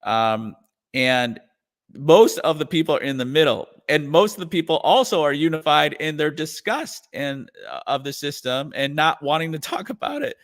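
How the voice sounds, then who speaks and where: A guest who is both a musician and a comedian rambles through a casual interview chat, restarting often and saying "you know" a lot. His voice is a little high, expressive, and at normal speed.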